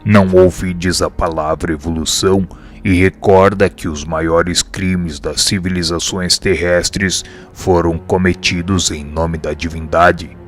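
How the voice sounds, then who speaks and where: An actor playing a calm, wise spirit mentor in a radio drama, speaking formal, measured, didactic Brazilian Portuguese. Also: male voice, low-pitched. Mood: calm, instructive. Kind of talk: scripted radio drama acting. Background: background music.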